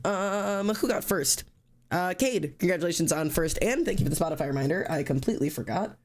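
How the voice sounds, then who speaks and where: A man with a slightly higher voice, talking through a sniffly, stuffy nose on a live stream. He chats loosely as he draws, greeting and thanking viewers one after another and wandering through his thoughts with plenty of restarts. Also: expressive, a little fast. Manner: chatty, greets and thanks chatters by name; loose, rambling with fillers and restarts. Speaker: livestream host. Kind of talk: casual live-stream chat while drawing.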